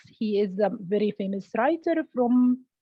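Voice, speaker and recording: A woman speaks with an Arabic accent. Her voice is somewhat breathy and fairly high-pitched. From Upper Egypt. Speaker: museum professional and archaeologist. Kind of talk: interview. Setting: video call.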